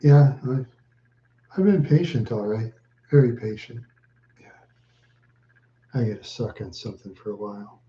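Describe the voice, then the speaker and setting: Man, livestream chat, halting, repetitive, echoey room, dull lo-fi audio. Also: mid-range voice, expressive, slight background noise. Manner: slow, halting, repeats short answers. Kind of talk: live stream chat with viewers.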